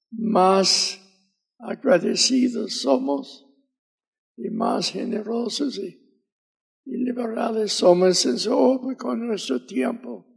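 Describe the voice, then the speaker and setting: An elderly preacher in his nineties, a native English speaker who carries an American accent into his sermon. His voice sits high and gravelly with a husky edge. He delivers each fervent line slowly and deliberately. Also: rough recording. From Mississippi, USA. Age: 90s. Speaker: visiting preacher.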